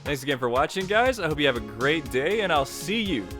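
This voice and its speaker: A man's voice: fairly high pitch, sing-song, brisk, over music. A man hosting a casual video lesson, chatty and enthusiastic, often restarting phrases and saying "you know". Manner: chatty, repeats words, lots of "you know". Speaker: online tutorial host.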